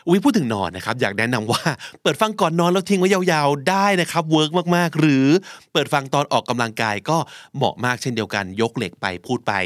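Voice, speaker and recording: A man hosting a language lesson podcast, upbeat, who repeats example phrases slowly for listeners to copy. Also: mid-range voice, no room sound, clean studio sound. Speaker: podcast host and English teacher.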